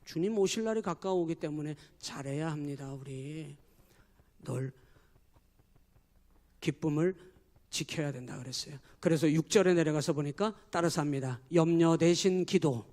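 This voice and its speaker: A man's voice: fairly high pitch, normal speed, darkish tone. A man preaching a sermon as pastor, emphatic and forever addressing the congregation. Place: church.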